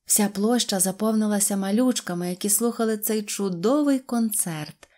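A woman's voice: mid-range voice, normal speed, mellow. Woman reading a storybook aloud. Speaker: audiobook narrator. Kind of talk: storybook narration.

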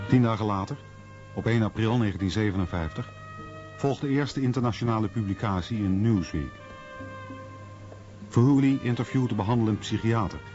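A man's voice: lowish voice, darkish tone. A man reading scripted documentary narration. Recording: dull, lo-fi radio documentary sound. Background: faint music.

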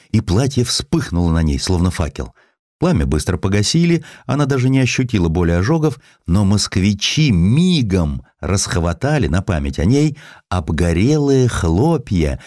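A man reading historical sketches as scripted dramatic narration, with literary, expressive storytelling. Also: low voice, no echo, studio quality. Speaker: audiobook narrator.

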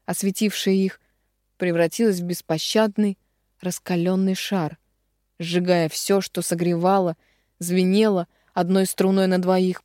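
A woman narrating a romance audiobook dramatically, slowing on the heavy phrases. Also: on the low side, mellow, no room sound, clean studio sound.

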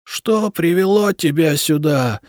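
A man's voice: a little high, expressive, a little mellow, dry recording, clean studio sound, pitched above the performer's own voice. A man putting on a fretful elderly abbess. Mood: anxious. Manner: slow, fretful questions. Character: older woman, a worried convent abbess.

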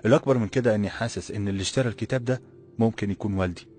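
A man's voice: on the low side, rapid-fire, a little mellow, soft background music, close to an everyday voice. A man voicing a bewildered young Egyptian man. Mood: determined. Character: young man stranded in a strange city, restless and bewildered. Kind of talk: audiobook character voice.

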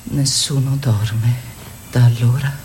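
An actress in a radio play voicing an anguished woman who survived war rape, dramatic, swinging between shrill cries and low murmurs. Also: fairly even intonation, takes it slowly, mellow, slight background noise. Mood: numb, longing. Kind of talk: theatrical radio play monologue.

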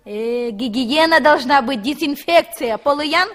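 A woman's voice: high voice, unhurried. An actress playing a talkative, fussy young Gypsy mother in a 1960s Soviet radio play, exclamatory and sing-song, full of repeated endearments. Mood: scolding, fussy.

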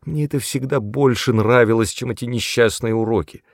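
A man's voice: fairly quick, dry recording, clean studio sound, close to an everyday voice. A man voicing a tearful, pleading young girl. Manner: pleading, high and shrill when upset. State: sobbing. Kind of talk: audiobook character voice.

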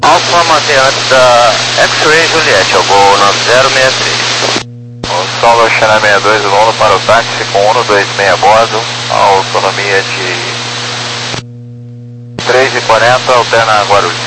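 A man's voice: on the low side, moderate pace. Guy on a noisy aviation radio, clipped pilot talk, reading numbers back, lots of hiss. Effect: two-way aviation radio transmission. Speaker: airline pilot. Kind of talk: air traffic radio exchange.

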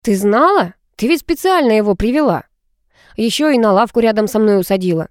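A woman's voice: mid-range voice, expressive, a little fast, no room sound, clean studio sound, natural voice. Lady reading smug teasing schoolboy from a storybook, bouncy voice. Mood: irritated. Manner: mocking, teasing banter. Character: cocky teasing young male classmate.

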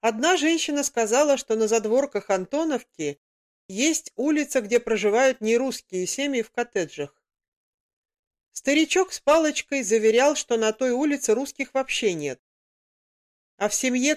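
A woman narrates a first-person story as an audiobook. Her voice sits a little on the higher side, and she tells the tale with lively, engaged storytelling.

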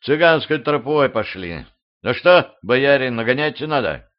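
A man voicing a gruff, commanding middle-aged boyar warrior in an audiobook, mocking and bold in manner. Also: medium pitch, animated, unhurried, pitched above the performer's own voice, natural voice. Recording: slightly dull lo-fi audio.

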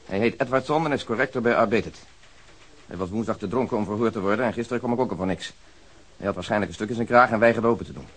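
A man's voice: lowish voice, racing, breathy edge. A man acting a critical, by-the-book police detective in a Dutch radio drama, brusque and matter-of-fact. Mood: brisk, defensive.

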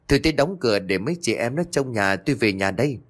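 A man voicing a sharp-tongued defiant village wife. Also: medium pitch, lively intonation, natural voice. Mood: annoyed. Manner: quick, scolding retorts.

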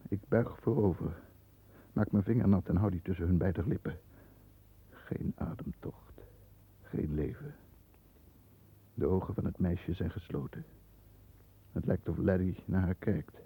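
An actor playing a tense, calculating London lawyer who narrates his own dark thoughts in a deliberate, dramatic 1960s radio play style. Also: low voice, steady tone, husky, full character voice. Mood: shaken, grim. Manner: dramatic, deliberate, halting under strain. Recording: dull lo-fi 1960s radio recording.

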